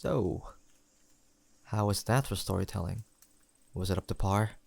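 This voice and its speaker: A young man playing a sentimental, teasing longtime best friend in an intimate audio roleplay, pausing for an unheard listener. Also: on the low side, creaky, husky, dry recording, full character voice. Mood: playful teasing. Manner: soft-hearted, playful banter with pauses for an unheard listener.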